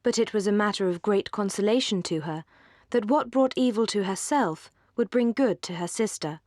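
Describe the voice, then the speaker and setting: A woman narrating a classic novel in a measured, elegant reading that drops low at the ends of phrases. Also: darkish tone, no room sound, clean studio sound. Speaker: audiobook narrator.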